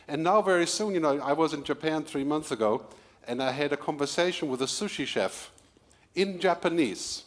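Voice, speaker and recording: A middle-aged man from Germany, giving a quick, energetic keynote to a live audience with small laughs and asides. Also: on the high side. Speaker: keynote speaker.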